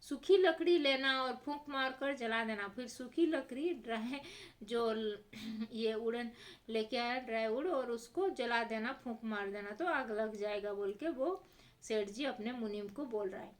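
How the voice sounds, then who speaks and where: A woman's voice: a little high, measured pace. A woman teacher retelling a textbook story for children, repeating herself and mixing English words into her explanations.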